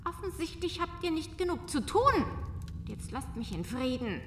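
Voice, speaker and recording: Haughty countess, theatrical, high, swooping pitch, easily outraged, fairy-tale radio play. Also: female voice, sing-song, normal speed, fairly bright tone, echoey room, far from the mic, slight background noise. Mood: annoyed, dismissive. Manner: indignant, theatrical, exclamatory. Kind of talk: comic fairy-tale audio drama.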